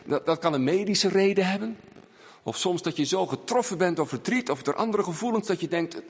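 A man preaching a sermon in a church, swinging between raised emphasis and hushed, low phrases. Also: lively intonation, fairly quick, breathy edge. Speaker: pastor. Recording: long church reverb.

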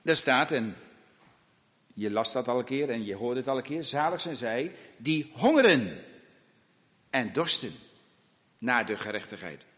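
A man preaching a sermon slowly and emphatically, asking rhetorical questions of his listeners. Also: mid-range voice, lively intonation, a bit bright, big-room sound.

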